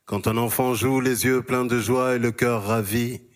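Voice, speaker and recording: A man reciting a poem in a steady, earnest reading voice. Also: mid-range voice, normal speed. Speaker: workshop participant. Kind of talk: poetry recitation.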